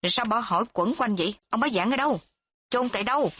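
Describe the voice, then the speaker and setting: A woman's voice: fairly high pitch, animated, fast talker, fairly bright tone, breathy edge, voice pushed up. A woman voicing a frantic young village woman. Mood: insistent. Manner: anxious, urgent calls.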